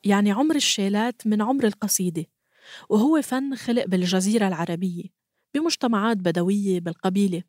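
A woman hosting a podcast, narrating from a script in a calm, explanatory way. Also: mid-range voice, fast, no room sound, clean studio sound. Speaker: podcast host.

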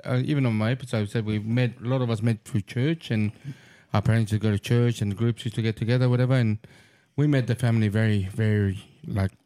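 A man's voice: lowish voice, fairly even intonation, fast, warm tone. A man co-hosting a casual chat, rambling and laughing often, swearing freely.

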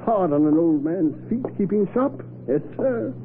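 Fawning old shopkeeper, high, swooping voice. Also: male voice, expressive, moderate pace, phone-quality sound. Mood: fawning, servile. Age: older. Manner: fawning, apologetic. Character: shifty, obsequious old male shopkeeper and crook. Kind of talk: 1940s radio acting. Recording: noisy, phone-thin vintage radio recording.

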